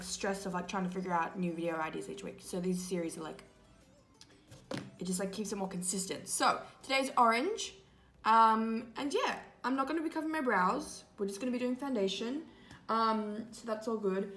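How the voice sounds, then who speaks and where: A young woman in her twenties giving a casual makeup tutorial, chatty and full of "like" fillers, her voice a little hoarse. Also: mid-range voice, reverberant. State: slightly hoarse, losing her voice. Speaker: makeup vlogger. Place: small indoor room before a grey backdrop.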